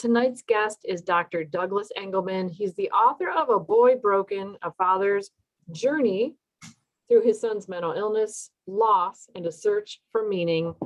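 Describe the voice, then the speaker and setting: A woman speaks at a fairly slow pace with a medium pitch and ordinary pitch variation. It is an unremarkable speaking voice. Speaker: talk show host. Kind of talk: hosted interview show. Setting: video call.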